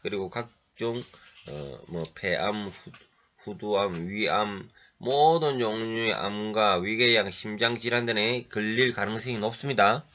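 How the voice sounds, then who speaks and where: Throat-clearing man preaching, dull lo-fi sound. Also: lowish voice, bright, forceful tone. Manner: halting delivery, frequent throat clearing and fillers. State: has a head cold. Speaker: pastor. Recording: dull lo-fi recording.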